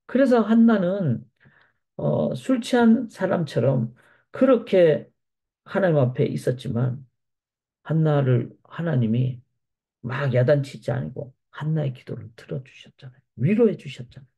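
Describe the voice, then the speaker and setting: Male pastor, gravelly husky voice, reads verses then explains, church Bible study. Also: a little high, animated, a little slow, warm tone. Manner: explanatory, reads scripture aloud then comments.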